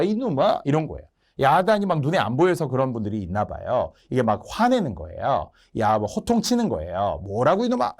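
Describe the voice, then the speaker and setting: Animated male lecturer. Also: medium pitch. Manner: animated, acts out quoted lines in character voices. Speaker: exam prep lecturer. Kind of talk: recorded exam lecture.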